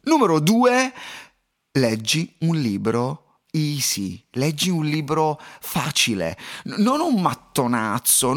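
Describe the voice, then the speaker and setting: A man hosting a solo podcast from his home loft, giving tips in a playful, expressive way. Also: mid-range voice. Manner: lively and expressive, playful asides. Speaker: podcast host.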